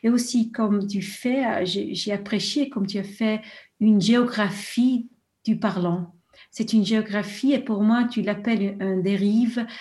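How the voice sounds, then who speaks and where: A woman researcher responding in a discussion at a listening session, speaking in halting phrases with pauses and restarts. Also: medium pitch, steady tone, a little mellow.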